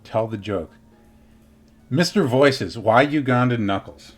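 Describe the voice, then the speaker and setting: A man's voice: medium pitch, slow, soft background music. A man hosting a casual gaming livestream interview, playful and scattered, with stop-start questions. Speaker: livestream host.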